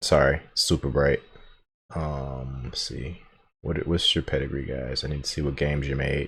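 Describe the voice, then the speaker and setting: With vocal fry and a very deep, low pitch, a man talks at a moderate pace. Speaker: gaming youtuber. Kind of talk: casual reaction commentary. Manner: animated.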